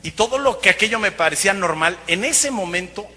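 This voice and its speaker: Mexican guy, high bright voice, joking testimony story, big echoey hall. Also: fairly quick. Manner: lively, joking, self-mocking storyteller. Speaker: broadcaster giving a personal testimony. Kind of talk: humorous testimony storytelling to an audience.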